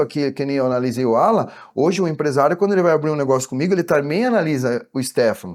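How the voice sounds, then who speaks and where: A man talks at a very fast pace. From interior of São Paulo state, Brazil (São Miguel Arcanjo). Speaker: entrepreneur and ad agency owner. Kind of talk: podcast interview. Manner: casual, slangy.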